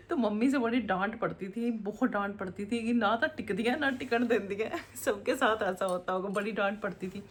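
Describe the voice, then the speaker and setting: A woman's voice: medium pitch, normal speed. A woman, chatting casually and rambling as she cooks in her home kitchen, laughing often. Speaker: vlogger, mother. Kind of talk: casual home vlog chat.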